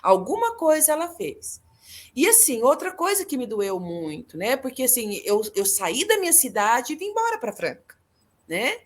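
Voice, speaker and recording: High-voiced Brazilian woman telling her story. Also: very animated, moderate pace. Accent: Brazilian Portuguese. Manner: earnest, emotional storytelling. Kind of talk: personal testimony in an interview.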